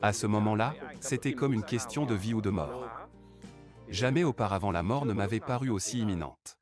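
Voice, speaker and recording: Low-voiced man reading a news dub. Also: animated, moderate pace. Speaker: voice-over translator for interviewees. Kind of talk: dubbed news voice-over. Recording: voice-over with music beneath.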